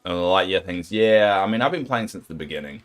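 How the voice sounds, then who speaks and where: Deep-voiced New Zealand man streaming. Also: lively intonation, a little fast, soft background music. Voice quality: deep, soothing voice. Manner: rambling, self-deprecating, sympathetic. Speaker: game streamer. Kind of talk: casual chat with viewers while gaming.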